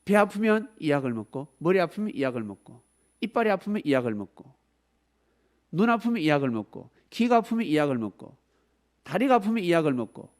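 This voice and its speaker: A man's voice: a little high, fairly quick. A man preaching a sermon at a youth service, asking the students questions and calling on them by name. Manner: animated, acts out scolding voices, asks the listeners questions. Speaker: pastor.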